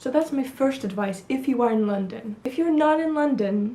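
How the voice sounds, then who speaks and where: A woman with a Portuguese accent at a moderate pace, ordinary pitch variation, and noticeable background noise. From Portugal. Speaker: drama student and vlogger. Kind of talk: casual advice vlog. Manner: animated.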